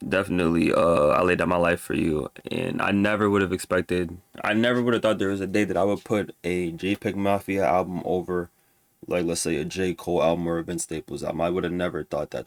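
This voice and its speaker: A man's voice: sits low, dry recording. A man with a stuffy nose ranking music albums in casual, rambling talk full of restarts and fillers. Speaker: music reviewer.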